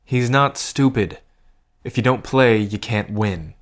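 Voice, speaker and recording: A man's voice: medium pitch, slow pace, close to an everyday voice. A man acting in an audio drama as a protective, wry cousin in a gambling scheme, talking in an earnest, conversational way. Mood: concerned, questioning. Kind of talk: scripted audio drama acting, addressed to the listener.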